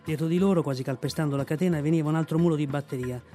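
A man reading a classic novel aloud in measured, clear storytelling narration, recorded in a radio studio. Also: fairly high pitch, warm tone. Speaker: reader. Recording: dry studio radio recording with faint music.

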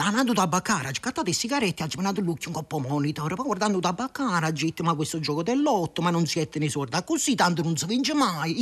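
An actor with a Neapolitan accent playing Vittorio, an excitable working-class man who has won the lottery, in a live stage scene performed in a radio studio, talking in raspy, animated bursts full of repeated exclamations. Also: on the high side, exaggerated voice.

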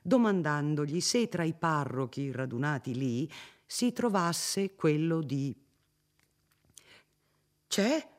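A man narrating an audiobook of a classic novel in a measured, expressive reading. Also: on the high side.

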